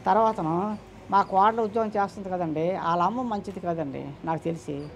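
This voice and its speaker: An older man with a high-pitched, gravelly voice answers interview questions about his son, who is in the news, speaking a little fast. He is emphatic, often repeating himself or quoting others, and the recording has a slight hiss or hum.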